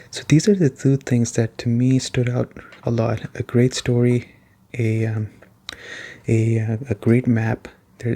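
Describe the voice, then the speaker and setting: A soft-spoken, relaxed man giving an ASMR-style video game review as a casual chat. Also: mid-range voice. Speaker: gaming video host.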